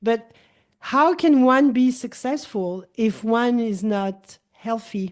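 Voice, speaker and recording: A woman talks at a very slow pace in a fairly high pitch, with ordinary pitch variation. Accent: French. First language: French. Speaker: leadership and holistic coach, podcast host. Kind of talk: casual interview conversation.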